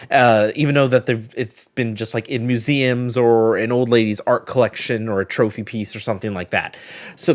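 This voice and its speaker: Casual male reaction video host. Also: medium pitch.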